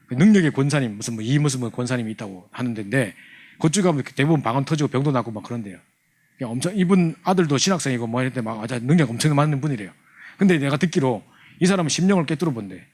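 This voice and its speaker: A man's voice: mid-range voice, expressive, racing, a little mellow. A man telling a humorous testimony to a church class, acting out his younger self. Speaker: church youth leader teaching a training class.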